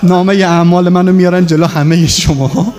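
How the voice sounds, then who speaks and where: High-voiced fervent male preacher. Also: steady tone, darkish tone. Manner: fervent, pleading, addressing listeners directly. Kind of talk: emotional religious sermon to a congregation.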